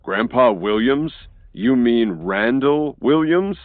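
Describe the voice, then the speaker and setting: A man voicing a fierce, indignant businessman in an audiobook, shouting angrily. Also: mid-range voice, lively intonation, takes it slowly, no room sound, pitched above the performer's own voice. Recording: dry, tinny phone-like sound from off-mic.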